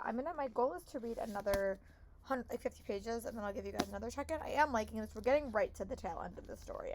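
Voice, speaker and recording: A young woman with a hoarse voice, chatting casually and upbeat to viewers in a reading vlog. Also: fairly high pitch. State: hoarse, voice shot. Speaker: book vlogger.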